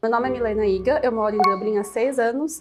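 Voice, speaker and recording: Against a quiet background, a woman with a normal speaking voice talks at a moderate pace and a fairly high pitch. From Brazil. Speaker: tech recruiter. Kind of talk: interview testimony.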